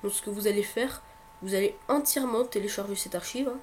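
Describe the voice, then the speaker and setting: A man with a cold giving a hesitant, step-by-step tech tutorial, often pausing and repeating himself. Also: high voice, a little hiss or hum. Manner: hesitant, filler-heavy, repeats words. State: has a cold. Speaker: tutorial presenter. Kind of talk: screen-recording tech tutorial.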